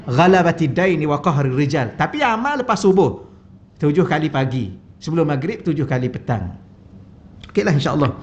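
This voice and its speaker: A man with a Malaysian Malay accent, a religious teacher, gives a chatty, humorous, anecdote-filled lecture in a mosque hall on a wireless microphone. His voice is fairly high with a darkish tone, and the recording sounds slightly dull and lo-fi.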